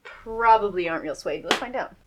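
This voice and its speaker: A woman's voice: mid-range voice, brisk, noisy background. A woman acting as game master, narrating a tabletop game in a casual, conversational way.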